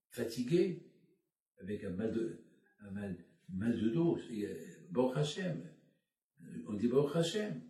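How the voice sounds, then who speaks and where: Un homme d'âge mûr, rabbin fatigué, prêche par appel vidéo avec des hésitations et des répétitions ferventes, le son lointain et résonnant. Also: male voice, medium pitch, mellow. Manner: halting, repetitive, heartfelt preaching. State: tired. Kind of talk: sermon over a video call. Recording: echoey, distant video call audio.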